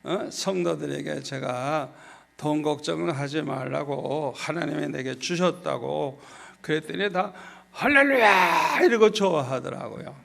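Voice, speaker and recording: An older man, a pastor, telling a testimony in an animated revival sermon and prompting the congregation with repeated "eh?". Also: fairly high pitch, unhurried, vocal fry. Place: large church.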